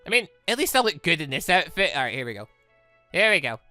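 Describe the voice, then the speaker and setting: Man, gaming host, casual commentary, animated pitch, dry sound, soft music behind. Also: fast, no echo. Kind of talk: casual visual novel playthrough commentary. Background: game music.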